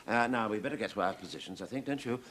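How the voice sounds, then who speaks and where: An actor playing a vague, genteel middle-aged sergeant who talks in a polite, hesitant way and trails off. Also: male voice, lowish voice, rapid-fire, fairly bright tone, a little hiss or hum, lightly acted. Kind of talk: 1970s TV sitcom acting.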